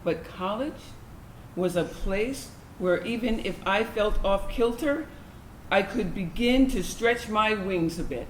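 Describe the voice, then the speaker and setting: A woman's voice: mid-range voice, slow, natural voice. A woman performing a candid, reflective young lesbian's monologue in a staged reading, in an echoey room. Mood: wistful, candid. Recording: echoey room, faint background noise.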